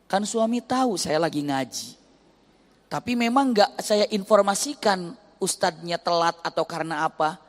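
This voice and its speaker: A man's voice: sits high, normal speed. A male Islamic preacher giving a sermon, telling a story and acting out the voices of its people. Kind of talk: sermon with acted stories. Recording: long hall reverb.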